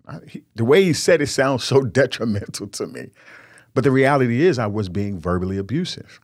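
A man's voice: mid-range voice, lively intonation, a little fast, dry recording, clean studio sound. A middle-aged man from New York, a podcast host giving frank Christian relationship advice in an earnest, preachy, candid way, leaning on repeated emphatic words.

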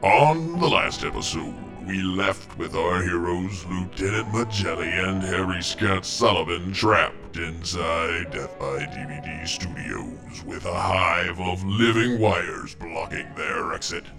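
Man, ominous drama announcer, low voice, gravelly, music underneath. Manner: slow, ominous, drawn-out delivery. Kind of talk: dramatic trailer-style recap.

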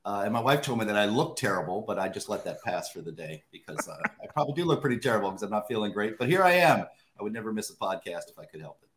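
Hoarse, sick-sounding man in a roomy space. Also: on the low side, sing-song, quick pace, a bit bright, a little hiss or hum. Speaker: podcast panelist. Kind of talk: casual chat.

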